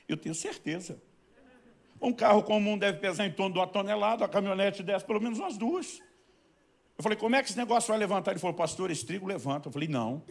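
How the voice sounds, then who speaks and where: A middle-aged pastor from Brazil preaching with a fairly high voice. He tells his stories with animation, and his voice swells loudly at the climaxes. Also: gravelly. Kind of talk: sermon with storytelling.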